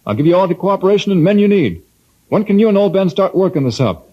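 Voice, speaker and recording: An actor playing a cautious navy commander who speaks in a guarded, matter-of-fact way, in an old radio drama. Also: male voice, high-pitched, very animated, quick pace. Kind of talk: 1950s radio drama acting. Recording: dull old radio broadcast.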